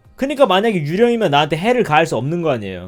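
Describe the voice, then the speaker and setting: Over music in the background, a man speaks in an animated tone. His fairly high pitch swings very widely. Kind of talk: live-stream chat, casual talk replying to viewers. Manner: conversational, animated, reacting to chat.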